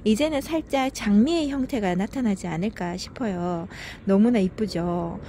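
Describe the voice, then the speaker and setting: A woman's voice: mid-range voice, normal speed, mellow, a little hiss or hum. A woman filming her home veranda garden, talking fondly and chattily about each plant with little sighs. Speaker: succulent gardening vlogger. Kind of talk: casual narration while filming plants.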